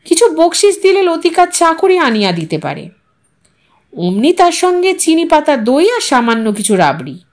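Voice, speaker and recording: A woman storyteller giving an expressive, literary narration of an audio story. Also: sits high, moderate pace.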